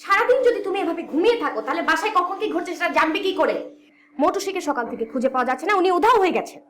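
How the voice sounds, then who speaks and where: Brief: exasperated scolding housewife, fast high delivery, room noise behind. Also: female voice, animated, fairly bright tone. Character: exasperated woman running a chaotic household. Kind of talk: TV drama acting. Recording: echoey room with noticeable background noise.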